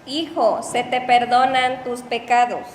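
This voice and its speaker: A woman's voice: on the high side, fairly even intonation, measured pace, slight background noise. Woman reading scripture in an echoey hall. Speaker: scripture reader. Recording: echoey hall with long reverb, faint ambience.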